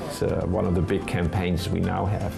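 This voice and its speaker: A middle-aged man, speaking haltingly in a documentary interview, full of fillers and repeats. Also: deep voice, level tone, vocal fry. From Netherlands. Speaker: harbourfront planning advocate. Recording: music playing over the speech.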